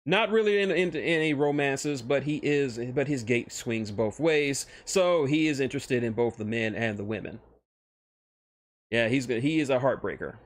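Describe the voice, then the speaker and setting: Casually streaming, a man of medium pitch comments on his own fictional characters, stumbling and restarting phrases repeatedly as he explains.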